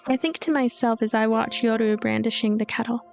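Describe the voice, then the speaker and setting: A woman voicing a lonely, gloomy ghost girl who narrates her story in a deadpan, weary, introspective way. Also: a little high, brisk, gravelly, faint music behind. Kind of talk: first-person story narration.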